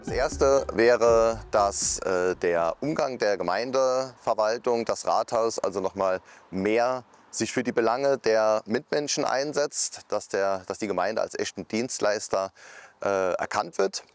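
A man, giving a halting interview statement as a mayoral candidate, with frequent fillers. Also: lowish voice, smooth. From Saarland, Germany. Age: 30s.

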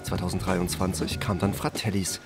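A man reading a calm, scripted news report narration. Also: low-pitched, moderate pace, creaky. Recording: voice-over over music.

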